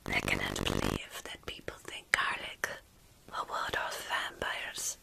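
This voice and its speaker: Ancient female vampire acted by a woman, gentle caretaker, ASMR whisper, very gravelly, unhurried, soothing. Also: very deep voice, monotone, heavily acted, rough recording. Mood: matter-of-fact, amused. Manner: slow, soothing, measured whispering. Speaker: ASMR performer.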